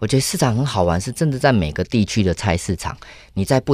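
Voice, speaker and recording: The voice swings very widely in pitch at a fairly quick pace. The recording is very clean, with a silent background and a dry, close sound with no echo. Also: man. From Taiwan, Yilan. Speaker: farmer and market tour guide. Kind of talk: casual interview.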